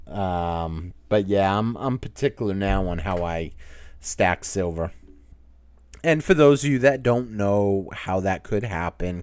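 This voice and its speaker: A man's voice: low voice, a little mellow, clear, resonant tone, dry recording. A man with a Maine accent hosts a casual Q&A chat, rambling as he reads viewer comments aloud. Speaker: channel host.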